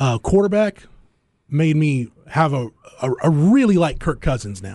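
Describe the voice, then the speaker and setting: A man talks in a Texan accent at a fairly slow pace. His pitch swings very widely. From small-town Texas. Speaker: sports reporter and radio co-host. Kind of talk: casual chat.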